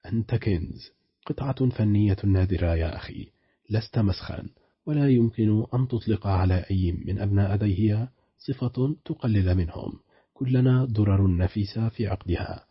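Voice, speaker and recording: A man's voice: lowish voice, husky, no room sound, lo-fi sound. A man voicing an earnest man who speaks reassuringly.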